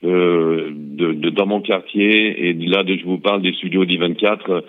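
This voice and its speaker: A man, a former intelligence officer, giving a measured analysis over a phone line in a radio interview, pausing often with hesitant fillers. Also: low voice, steady tone. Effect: heard over a phone line.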